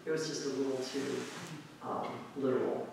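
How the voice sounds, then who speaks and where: A male pastor giving a reflective, conversational sermon in a church sanctuary, drawing out key words slowly for emphasis. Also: mid-range voice, fairly even intonation, vocal fry, darkish tone, a little hiss or hum. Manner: reflective, conversational preaching with slow drawn-out emphasis. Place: church sanctuary with pipe organ, indoors. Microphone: far camera at back of sanctuary. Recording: very echoey church hall from far off.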